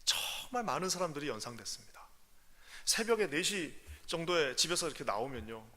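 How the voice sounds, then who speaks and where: A fairly high, very bright and animated man preaching in a large church sanctuary. He jumps from near-shouted emphasis to hushed whispers, drawing out words for effect. His voice rings with a long hall reverb. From Korea. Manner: swings from loud exclamations to hushed whispers; draws out words slowly for emphasis. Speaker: pastor. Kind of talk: sermon.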